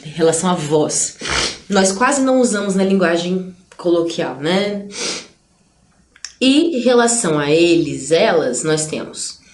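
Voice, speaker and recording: A woman's voice: fairly low pitch, expressive, unhurried, roomy sound. A woman with a Brazilian Portuguese accent teaching a recorded grammar lesson, explaining step by step and checking in with the class through frequent tag questions.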